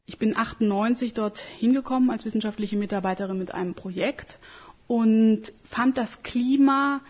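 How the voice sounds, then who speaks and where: A woman's voice: a little high, moderate pace, husky, dull audio. A German woman in her thirties, a scholar answering in a radio interview, thoughtful and emphatic with small hesitations. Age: 30s.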